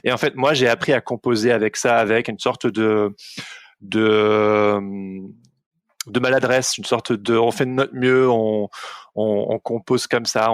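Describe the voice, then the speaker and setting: A young man hosts a relaxed podcast conversation, searching for words with frequent fillers and restarts. His voice sits fairly low. The sound is dry and close, with no room echo. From Belgium. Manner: hesitant, many restarts and fillers. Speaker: podcast host. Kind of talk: casual interview chat.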